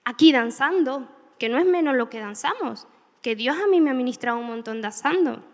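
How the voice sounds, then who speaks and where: A woman preaching a sermon, telling stories in an animated way with laughter. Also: high-pitched, fairly quick, big-room sound. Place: church hall.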